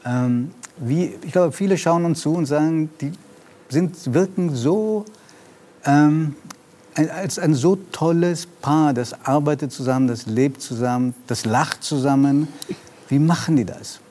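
A man co-hosting a talk show who asks a couple questions, pausing to find his words. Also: a little high, dark tone. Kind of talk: casual chat.

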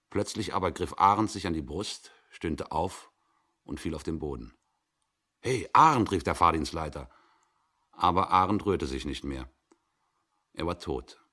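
Deep-voiced man reading a story. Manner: calm, measured storytelling with acted dialogue. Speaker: reader of a radio story. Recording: old 1960s radio recording.

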